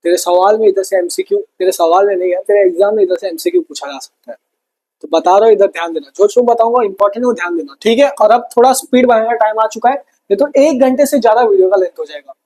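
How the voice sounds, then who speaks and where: A man's voice: sits high, animated, quick pace, darkish tone, poor audio. A young man teaching an exam-prep science lesson, chatty, calling students brother and repeating key terms.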